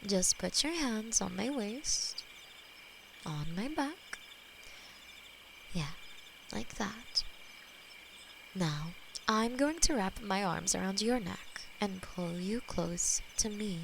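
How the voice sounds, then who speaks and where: Slow, gravelly-whispered demon girlfriend, as a woman voices her, possessive and tender, crickets chirping behind. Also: mid-range voice. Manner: soft intimate whispering, halting. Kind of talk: ASMR audio roleplay. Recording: steady cricket and night noise behind.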